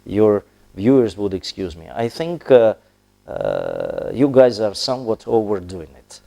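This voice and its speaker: A man from Russia with a Russian accent, giving a formal interview in halting, deliberate, diplomatic phrases with long hesitations. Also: on the low side, big pitch swings, vocal fry, mellow. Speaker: ambassador, interview guest.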